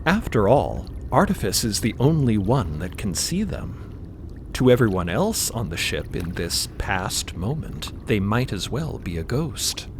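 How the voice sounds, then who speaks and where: A man's voice: on the low side, sing-song, unhurried, noisy background. A man narrating a scripted audio drama in a dramatic storytelling style.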